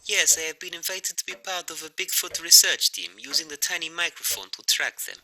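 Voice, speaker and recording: An actor playing a courteous, earnest Russian researcher in an audio drama, with formal, careful phrasing. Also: male voice, fairly high pitch, lively intonation, a little fast, a crowd in the background.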